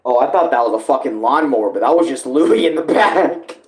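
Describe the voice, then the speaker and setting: A man's voice: mid-range voice, animated, a little fast. A man giving casual, rambling reaction commentary full of slang and swearing, like a host talking to friends. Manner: rambling, informal, often addressing others as bro or dude.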